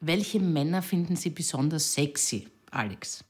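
Low, husky female interviewer. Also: animated, measured pace. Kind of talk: off-camera questions.

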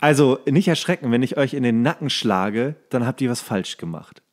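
A man's voice: mid-range voice, expressive, moderate pace. Casual joking man on a podcast. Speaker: podcast co-host.

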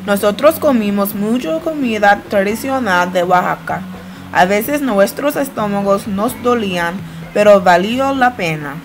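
A woman's voice: medium pitch, expressive, a little slow, over loud music. Young woman reading a study-abroad voice-over. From United States. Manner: plain, careful learner's delivery. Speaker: student narrating a study-abroad video. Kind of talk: read-aloud voice-over narration.

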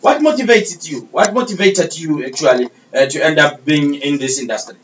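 A man's voice: on the high side, animated, moderate pace, highs cut off. A man, hosting a radio interview, giving brief murmurs and switching languages for his on-air links. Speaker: radio host. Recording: distant mic with faint noise.

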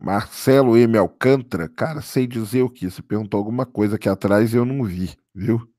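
A man, hoarse from a cold, casually commenting on a live stream and answering viewer chat, often checking in with "tá?". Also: fairly low pitch, fairly quick, mellow, dry recording, clean studio sound. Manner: casual, keeps adding "tá?" for confirmation. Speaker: livestream host.

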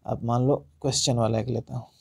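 A man's voice: mid-range voice, level tone, gravelly, slightly rough, no room sound, clean studio sound. Indian man teaching English pronunciation. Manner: explains slowly, then reads example sentences word by word with stress. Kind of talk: spoken English lesson in Hindi.

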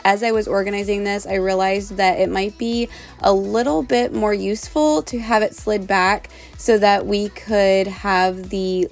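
A young woman and mother giving a relaxed, chatty vlog narration while showing things around her small home. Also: medium pitch. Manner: chatty, relaxed, explaining as she shows things. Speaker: vlogger, mother of three girls. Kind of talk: casual organizing vlog narration.

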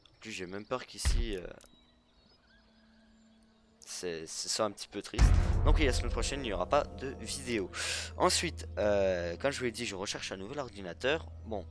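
Un homme qui commente sa partie de jeu de stratégie sur un ton décontracté, en hésitant beaucoup avec des « euh ». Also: male voice, lowish voice, animated, moderate pace, music in the background. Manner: hesitant, full of euh fillers. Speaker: gaming YouTuber. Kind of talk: casual let's play commentary.

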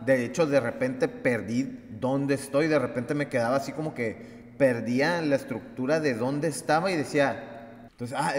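A man with a Mexican Spanish accent, a podcast host telling a story casually, full of fillers and animated retelling. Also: medium pitch, long reverb tail.

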